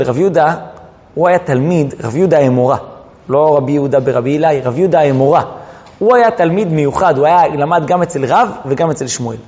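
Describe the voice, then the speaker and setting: A man with a high voice teaches religious texts and tells their stories with animated, drawn-out emphasis. The recording is dull and muffled, with long echo from a hall. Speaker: Torah teacher. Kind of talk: religious text lesson.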